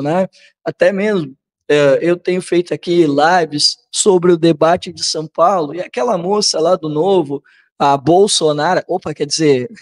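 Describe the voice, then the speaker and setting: Slow, high-voiced Brazilian man. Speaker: host of a political commentary channel. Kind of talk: commented reading of a political newsletter, between read-aloud and casual commentary.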